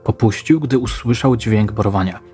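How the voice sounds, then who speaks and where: A man narrating a scripted crime story in a slow, measured way. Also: fairly low pitch, mellow, faint music behind.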